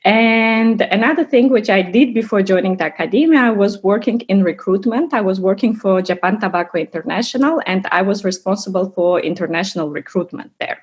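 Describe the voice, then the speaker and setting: A woman's voice: mid-range voice, fairly quick, few pauses, husky. A woman in her thirties from Armenia, raised in Russia, presenting a course overview as an assistant professor over a video call, explaining carefully with frequent restarts. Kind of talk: online lecture presentation.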